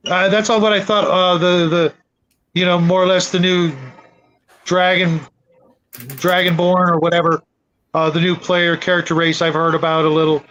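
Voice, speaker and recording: A man in casual conversation about tabletop games, rambling and halting as he repeats his words. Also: high-pitched, level tone, fairly bright tone, lo-fi sound, slight background noise. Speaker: panelist on a role-playing show.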